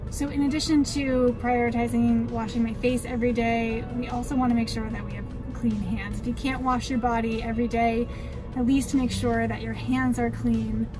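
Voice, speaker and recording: Clear music sits in the background. Over it, a woman speaks at a moderate pace. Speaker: van life vlogger. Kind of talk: casual vlog tutorial. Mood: friendly, relaxed. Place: car. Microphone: phone near.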